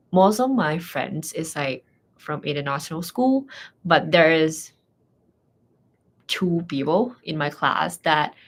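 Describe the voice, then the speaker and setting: A young woman whose first language is Thai, a medical student guest speaking English in a hesitant, halting way. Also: deep voice, fairly bright tone. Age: young adult. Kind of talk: casual live chat.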